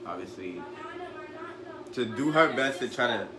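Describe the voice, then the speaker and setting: A man's voice: mid-range voice, animated, unhurried. A fifteen-year-old boy from Guyana answering interview questions in an outspoken, talkative way. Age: teens. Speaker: student guest. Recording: echoey room with noise.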